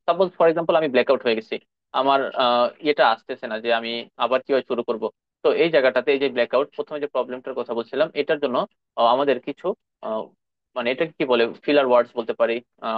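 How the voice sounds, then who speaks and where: Fast-talking Bangladeshi man tutoring. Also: mid-range voice, no echo, lo-fi sound. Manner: conversational, explaining with filler sounds and English terms. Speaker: IELTS speaking tutor. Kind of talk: online teaching session.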